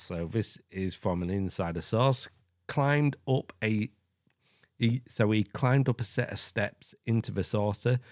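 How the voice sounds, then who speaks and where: A man's voice: lowish voice, a little mellow, no echo, clean studio sound. A man hosting a podcast, reading an account aloud and breaking in with blunt, swearing asides. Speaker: podcast host. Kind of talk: casual reading with commentary.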